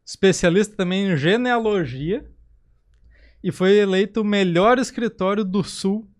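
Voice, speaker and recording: A man's voice: sits high, measured pace. A man co-hosting a podcast, playfully building up to a guest's introduction. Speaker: podcast co-host. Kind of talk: casual podcast chat. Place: studio table.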